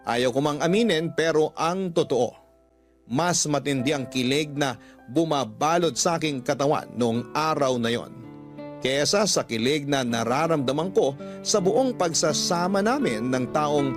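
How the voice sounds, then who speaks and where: A man's voice: on the high side, unhurried, close to an everyday voice. A man reading a confessional love letter aloud as a dramatic scripted narration. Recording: music bed under the voice. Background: music.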